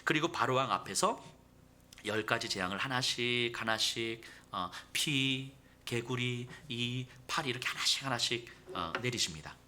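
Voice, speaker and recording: A man preaching a Sunday sermon as pastor, acting out quoted lines and swinging from loud, rising emphasis down to near whispers. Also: mid-range voice, lively intonation, a little slow, a little hiss or hum.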